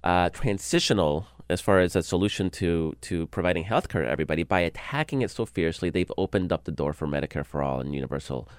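A man from El Salvador, a political blogger, talks earnestly with a smooth, resonant voice in a casual discussion. His voice sits a little low, and the dry recording keeps it close. He restarts and repeats words as he works through his points. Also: fast, few pauses, no room sound.

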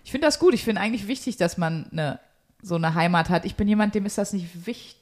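A woman's voice: medium pitch, quick pace. A woman from Germany's Ruhr area hosting a casual podcast chat indoors, with a cheeky, teasing, slangy way of talking. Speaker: podcast host. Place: indoors at a home.

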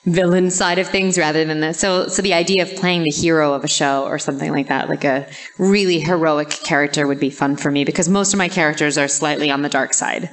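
A woman voice actor with a deep voice, chatting in a dry, teasing way. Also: fairly even intonation, a little fast. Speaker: voice actor guest. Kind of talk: casual panel chat.

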